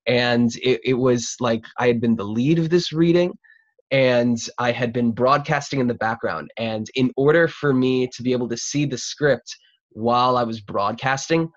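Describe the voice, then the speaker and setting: A man's voice: medium pitch, no echo. Informal young man hosting, dull dry audio. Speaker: host. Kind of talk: casual chat. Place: room at home, video call.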